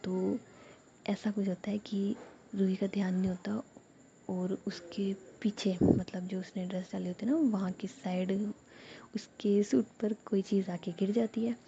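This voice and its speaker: A woman's voice: medium pitch, flat delivery, measured pace, creaky, dark tone, highs cut off, slight background noise. A woman narrating a love story in a whispered role-play style, rambling with many fillers.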